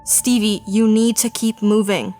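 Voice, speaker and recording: A woman playing a gentle, melancholy lost young woman in an audio drama, wistful and earnest. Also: mid-range voice, fairly even intonation, a little slow, soft background music, natural voice. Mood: urgent.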